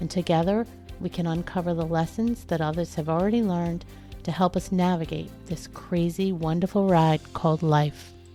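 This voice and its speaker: Over music in the background, a woman speaks at a moderate pace with a fairly low pitch and fairly even intonation. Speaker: podcast host. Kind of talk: podcast intro.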